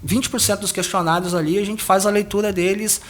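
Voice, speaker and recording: High-voiced man explaining polling. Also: steady tone, a little fast. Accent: Brazilian Portuguese. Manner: explains at length, with many restarts and tag questions. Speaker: political analyst and pollster. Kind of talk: explanatory interview answers.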